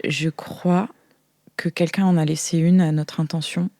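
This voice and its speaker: A woman performs an audio role-play as an innocent young woman from the future, earnest and keen, frequently confused while haltingly describing her world. Her warm, lowish voice stays level and unhurried, captured dry without echo.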